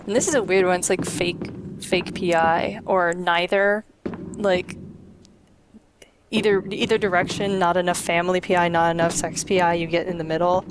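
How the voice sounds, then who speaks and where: Low-pitched woman, wry gaming commentary. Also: fairly even intonation, normal speed, background noise. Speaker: let's play host. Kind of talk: casual game commentary. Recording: game music behind voice.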